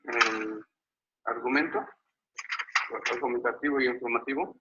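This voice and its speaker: A man's voice: medium pitch, fairly even intonation, a little slow, very noisy. A man answering as a student, hesitant and searching for his words. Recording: dull lo-fi audio.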